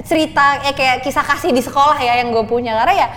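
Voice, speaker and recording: A woman telling a personal story in casual chat, animated and often laughing as she talks. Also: sits high, quick pace. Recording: long reverb, faint noise.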